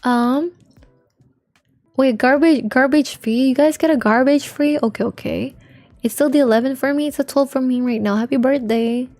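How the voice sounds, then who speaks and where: A woman livestreamer chats informally and playfully with her viewers, swearing now and then, at a moderate pace. Her voice is soft and quiet, unlike her usual loud one, with faint music in the background.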